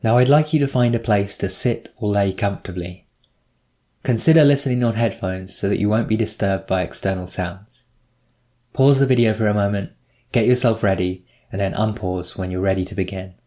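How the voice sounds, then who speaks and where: In a lowish, dark-toned voice, a man guides listeners through a scripted meditation, offering measured instructions and pausing between each one.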